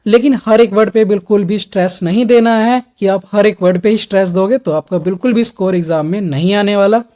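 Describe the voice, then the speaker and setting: Guy teaching an exam prep lesson, soft mellow tone, talks right to his students step by step. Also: high-pitched, brisk. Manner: explains step by step, speaking straight to students. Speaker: PTE exam coach. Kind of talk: instructional video lesson.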